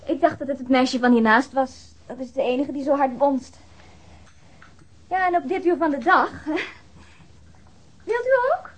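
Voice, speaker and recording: A woman's voice: high voice, animated, measured pace, long pauses. An actress playing a casual, chatty, slightly uneasy young woman in a radio drama, informal and rambling. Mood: breezy. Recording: dull, band-limited audio.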